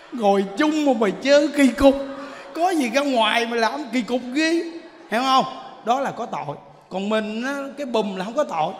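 A male Buddhist monk with a Southern Vietnamese accent delivers a joking Dharma talk in a notably high voice. He tells stories with animated exclamations and frequent laughs. The recording has a long hall reverb and a faint background hiss.

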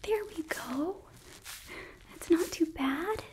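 A young woman playing a sweet, earnest hotel hostess from Hell in a whispered ASMR roleplay, gently coaxing and a little hesitant, close to the microphone. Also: very high voice, expressive, takes it slowly, a little hiss or hum, exaggerated voice. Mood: gentle, reassuring. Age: young adult. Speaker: ASMR performer.

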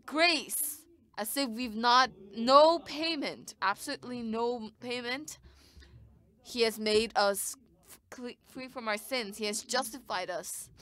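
A woman's voice: fairly high pitch, pushed and bright. A woman giving live interpretation of a sermon, speaking in short bursts with frequent restarts.

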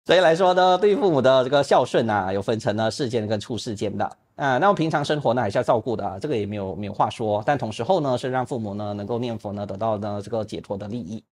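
Brisk, jokey man giving a Buddhist talk. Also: on the low side. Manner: lively, humorous, acts out examples; frequent filler particles like "呢" and "啊". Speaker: Buddhist monk teaching. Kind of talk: Dharma talk answering questions. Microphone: online video call.

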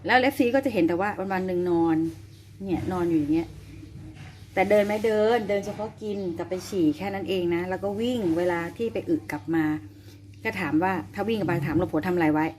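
A woman's voice: fairly low pitch, fast, a little mellow, slight background noise. A woman pet vlogger chatting casually and teasingly to her sleeping dog, often amused.

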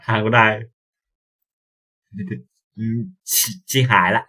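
A young man commentating as he plays a visual novel, excitable and swearing, sometimes stumbling over words. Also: drawn-out words. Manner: excitable, yelps and swears at scares; reads game lines aloud, stammering. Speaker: gameplay streamer. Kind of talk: casual let's-play commentary.

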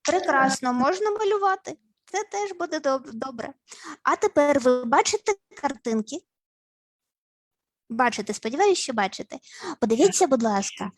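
A woman psychologist leading grounding exercises in an online session, speaking in a slow, instructive way with repeated words and playful sounds. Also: sits high, lively intonation, a little mellow, no room sound. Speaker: family and child psychologist. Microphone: video call.

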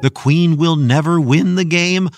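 A man's voice: a little high, a little slow, faint music behind, pitched above the performer's own voice, natural voice. A man voicing a boastful, scheming imp from a fairy tale, gloating and theatrical.

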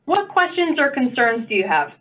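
A woman's voice: high voice, very animated, moderate pace. A woman running an online stakeholder meeting, upbeat and encouraging with playful asides. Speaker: meeting facilitator. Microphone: video call. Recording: phone-like video call audio.

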